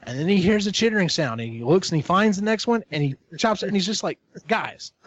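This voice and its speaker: A man retells a story in casual chat with a fairly high, very lively voice. He talks in an animated way and swears freely. The recording sounds dull and lo-fi. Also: fast talker.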